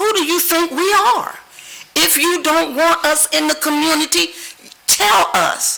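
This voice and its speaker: A woman with an American accent uses a raised, projected voice at a high pitch. She speaks at a fairly slow pace over noticeable background noise. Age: 70s. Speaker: resident speaking at public comment. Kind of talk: public comment speech. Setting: city council meeting. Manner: impassioned.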